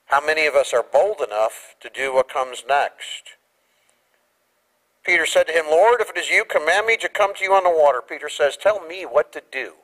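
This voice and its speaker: Guy preaching a sermon, kinda high voice, gets loud then quiet, does little voices for quotes. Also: normal speed, low-quality recording. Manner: animated preaching that swings from quiet to raised and loud. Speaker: pastor. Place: church sanctuary.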